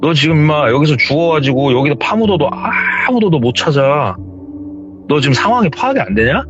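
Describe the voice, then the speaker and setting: A man voicing a rough, threatening male thug, slightly muffled. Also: fairly high pitch, expressive, a little fast, music in the background, voice pushed up, lightly acted. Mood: menacing. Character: menacing male thug, gang member.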